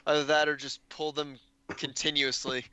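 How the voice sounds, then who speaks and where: A man's voice: on the high side, little pitch movement, moderate pace, very noisy. A man playing a tabletop game casually, talking through plans in a practical way. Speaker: player.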